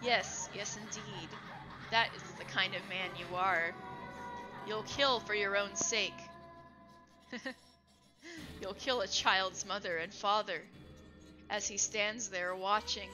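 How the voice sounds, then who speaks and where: A woman voicing a cold, mocking inner voice that taunts slowly and quietly. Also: mid-range voice, steady tone, music in the background, close to an everyday voice, poor audio. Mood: taunting. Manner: slow, sneering, quiet.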